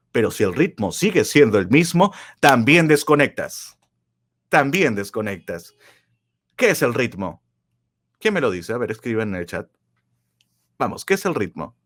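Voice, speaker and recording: A man giving a motivational public speaking lecture, emphatic and full of rhetorical questions, repeating key phrases for effect. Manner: emphatic, with wide swings of pitch and loudness; asks the audience rhetorical questions.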